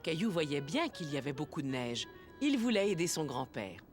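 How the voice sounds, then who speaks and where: A woman narrating a children's cartoon as a gentle storyteller, reading a scripted tale. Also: low-pitched, sing-song, moderate pace, faint music behind. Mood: gentle storytelling. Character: gentle storybook narrator of a small boy's day.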